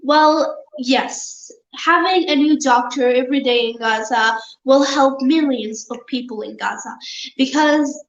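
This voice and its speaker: Girl, high voice, earnest, halting with fillers, roomy muffled sound. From Palestine. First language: Arabic. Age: child. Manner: earnest, many fillers and restarts. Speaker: guest. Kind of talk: interview answers. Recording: roomy, muffled remote audio.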